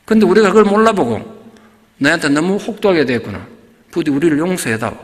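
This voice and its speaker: A man's voice: on the high side, expressive, fast talker, close to an everyday voice. A man voicing a humble, repentant older mother-in-law who apologizes to her daughter-in-law, in a sermon. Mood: apologetic. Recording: long church reverb.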